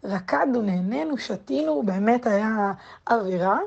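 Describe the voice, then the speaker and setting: A woman in her twenties telling a casual personal anecdote as a guest, unhurried and full of hesitant fillers. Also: a little high, animated, gravelly, a little mellow, slightly rough. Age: 20s. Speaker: guest storyteller. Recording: slightly dull lo-fi recording.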